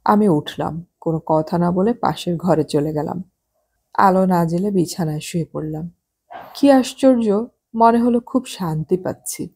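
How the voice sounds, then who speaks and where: A woman narrating a novel as an audiobook in a calm, measured reading style. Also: lowish voice, vocal fry, breathy edge.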